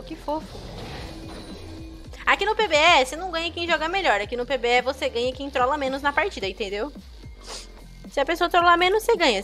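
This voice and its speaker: A young Brazilian woman chatting casually with viewers while streaming a game, with excitable outbursts. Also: high-pitched. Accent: Brazilian Portuguese. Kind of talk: casual gameplay commentary.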